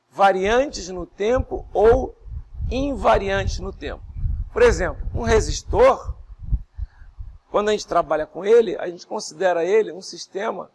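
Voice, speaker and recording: Male professor, hoarse and gravelly, higher voice, soft patient classroom delivery. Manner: explains step by step, asks the class rhetorical questions; speaks softly and not fast, pausing to breathe. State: hoarse, voice strained after illness. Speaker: university lecturer. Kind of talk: classroom lecture.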